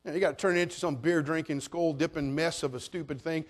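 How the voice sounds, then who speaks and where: A middle-aged man preaching a sermon as pastor, folksy and joking, building up to shouted passages. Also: a little high, fairly even intonation, quick pace.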